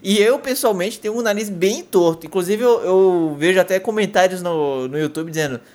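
A man's voice: high voice, moderate pace, darkish tone. A Brazilian man co-hosting a podcast, chatting casually and joking through his anecdotes. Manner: jokey, laughs while telling anecdotes. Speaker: podcast co-host. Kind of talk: casual chat.

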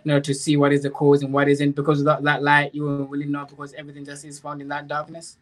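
A man's voice: fairly high pitch, completely flat delivery, fast. A man in an informal spiritual discussion, explaining earnestly in a rambling way, repeating phrases and checking that he is understood. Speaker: guest, author.

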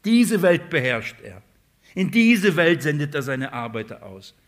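A man with a fairly high speaking voice delivers a sermon as a preacher. He keeps putting questions to his listeners and then answers them himself, building his point step by step. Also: big pitch swings, a little slow. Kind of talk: Bible-study sermon.

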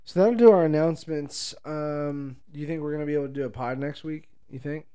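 Mellow-voiced man hosting a casual podcast. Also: fairly high pitch, a little fast, clean tone. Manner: rambling, playful. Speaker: podcast co-host.

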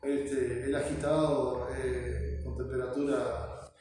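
A man with a Rioplatense accent, a student answering questions haltingly with many fillers. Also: mid-range voice, flat delivery, mellow. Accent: Rioplatense Spanish. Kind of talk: answering in an interview. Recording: distant mic, very echoey room, faint noise.

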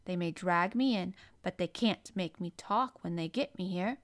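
A woman's voice: lowish voice, normal speed, close to an everyday voice. A woman voicing a stiff, obstinate young girl in a storybook reading, with a fierce, contrary, unsympathetic manner.

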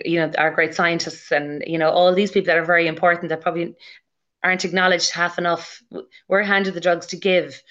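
A woman's voice: low-pitched, a bit bright. A woman answering interview questions as a clinician, earnest and explanatory, on slightly muffled audio. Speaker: haematology clinician interviewed as guest.

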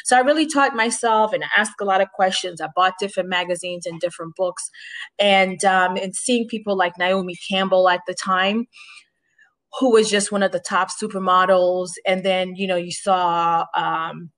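Her voice is fairly low and a bit bright, with a steady tone and a moderate pace. She's a former broadcaster and makeup artist from Haiti, raised in Boston, speaking reflectively as an interview guest with many restarts in a conversational setting.

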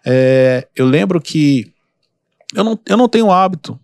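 A man with a Brazilian Portuguese accent hosting a podcast, giving easygoing, calm advice in a casual, explanatory way. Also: a little high, moderate pace, dry recording, clean studio sound. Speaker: podcast host and mentor.

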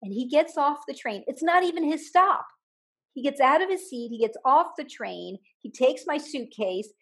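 Animated woman telling stories, slightly high voice. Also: normal speed. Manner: animated, laughs while telling anecdotes; repeats words when thinking aloud. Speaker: author and guest. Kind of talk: storytelling interview talk.

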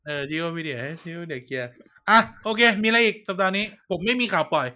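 A man's voice: on the high side, lively intonation, a little fast, pushed and bright. A man co-hosting a casual political chat show, joking and playfully crude. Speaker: co-host.

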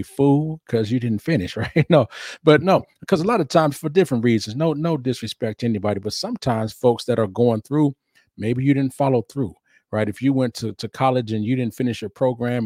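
Podcast host, middle-aged man, chatty with lots of restarts, lowish voice, dry close sound. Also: a little mellow, no echo. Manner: chatty, repeats words, frequent restarts. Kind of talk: casual podcast interview.

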